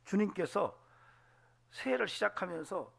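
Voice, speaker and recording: A man preaching a Sunday sermon, animated, acting out voices and dropping to whispers. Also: sits high, unhurried, gravelly, slightly rough. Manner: animated, acts out voices in quotes, drops to whispers. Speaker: pastor. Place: church sanctuary.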